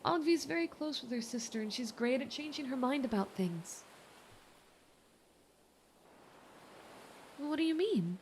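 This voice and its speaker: A woman playing a kind, reassuring young mermaid in an ASMR roleplay, chatty, gentle and earnest. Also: high-pitched, expressive, brisk, slight background noise. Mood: hopeful, persuading.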